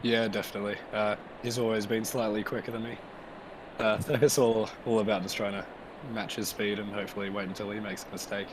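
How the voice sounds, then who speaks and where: Hoarse, low, flat-voiced man. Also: a little fast, crowd noise, poor audio. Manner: modest, apologetic. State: hoarse, recovering from a virus. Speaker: racing driver being interviewed.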